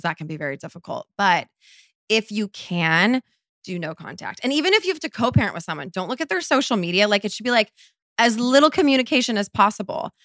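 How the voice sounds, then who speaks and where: A woman in her thirties hosting a casual solo podcast and answering listener questions in a blunt, profane way, with quick bursts and emphatic repeats. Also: mid-range voice, a bit bright, no echo. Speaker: podcast host.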